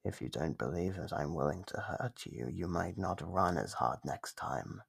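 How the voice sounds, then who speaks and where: Gravelly, very low, predatory monster. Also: male voice, lively intonation, full character voice. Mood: gloating menace. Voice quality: husky, gravelly, breathy with whispers. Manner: slow, savoring, teasing menace. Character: gleeful predatory monster from under the bed, centuries old. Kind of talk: ASMR horror roleplay.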